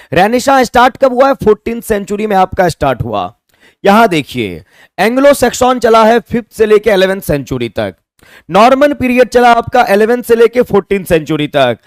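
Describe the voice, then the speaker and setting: Clean studio audio without echo captures a high-voiced man with an Indian, Hindi-speaking accent. He teaches exam-prep English online in a mix of Hindi and English, spelling words letter by letter and urging viewers to comment their answers.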